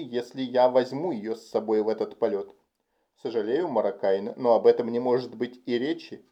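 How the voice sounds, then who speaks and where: A man narrating a science fiction audiobook in a calm, even storytelling manner. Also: mid-range voice. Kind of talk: amateur audiobook reading. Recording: dull home recording.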